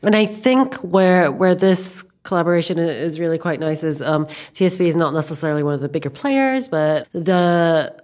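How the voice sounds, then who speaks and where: A woman's voice: fairly low pitch, moderate pace, few pauses, darkish tone. An American woman speaking as a guest in a casual panel discussion, chatty and emphatic, often repeating words for stress. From New York, United States. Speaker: podcast guest, banking professional.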